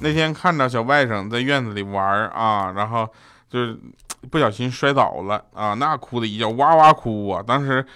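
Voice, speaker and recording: A man hosting a comedy show, delivering jokes and short anecdotes in a playful, quick style with pauses before punchlines. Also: medium pitch, bright, forceful tone, clear, resonant tone. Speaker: radio comedy host. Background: background music.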